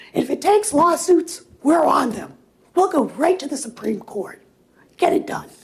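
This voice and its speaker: A woman's extremely high voice with lively intonation, moderate pace and big swings in loudness. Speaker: local resident advocating at a legislative hearing. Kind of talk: public hearing testimony.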